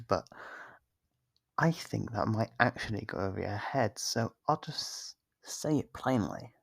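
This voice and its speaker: Slow, gravelly teasing vampire, acted out for ASMR. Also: low voice, no room sound, full character voice. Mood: smug, teasing. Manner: slow, teasing, smug, close and hushed. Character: teasing, condescending, possessive vampire toying with a hunter. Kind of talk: ASMR roleplay acting.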